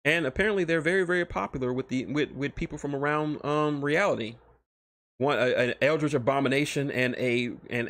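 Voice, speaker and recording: A man's voice: medium pitch, fairly bright tone, no echo. A man hosting a livestream, chatting casually and rambling with profane, enthusiastic fan talk into a close microphone. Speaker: streamer, host. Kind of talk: casual livestream chat about fan fiction.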